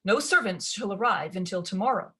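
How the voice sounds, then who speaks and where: A woman voicing a haughty, snappish young stepsister in a storybook reading, demanding and sharp-tongued. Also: mid-range voice, expressive, brisk.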